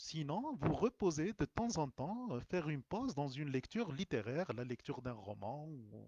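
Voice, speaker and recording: A man speaks with a fairly high, somewhat breathy voice and a dark, mellow tone, swinging very widely in pitch. His pace is moderate, and the sound is dry and close with no echo. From Algeria. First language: Tamazight and Arabic (speaking French). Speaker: writer and language teacher. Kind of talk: live stream Q&A reading comments. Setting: live stream. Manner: hesitant, many fillers.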